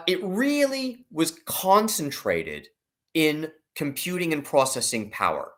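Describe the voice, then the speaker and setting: A man's voice: on the high side, fairly bright tone. A man giving conversational financial commentary as an interview guest, explaining emphatically and often rephrasing himself as he goes. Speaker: investment analyst guest.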